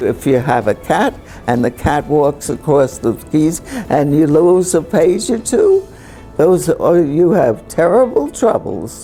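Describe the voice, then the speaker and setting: A woman's very deep, low voice at a very slow pace, very wide in pitch swings yet very even in loudness, with music in the background. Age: 80s+. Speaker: author. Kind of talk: interview answer.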